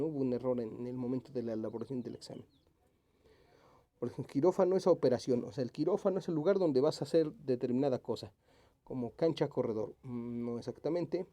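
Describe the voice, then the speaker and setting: A man, a teacher working through exam questions aloud, humming as he thinks and slowly rereading each option. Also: mid-range voice, mellow.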